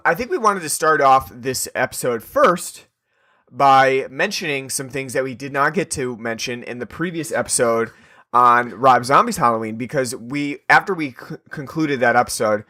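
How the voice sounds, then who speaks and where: A man's voice: medium pitch, moderate pace, sharp tone. Rambling male podcast co-host. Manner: rambling, many ums and restarts. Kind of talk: casual podcast chat.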